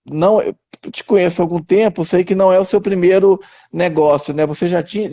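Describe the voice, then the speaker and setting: A man's voice: a little high, warm tone, lo-fi sound. A man hosting a live interview, affable and affirming, with many "né"s. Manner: affable, frequent "uhum" and "né" affirmations. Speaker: host, interviewer.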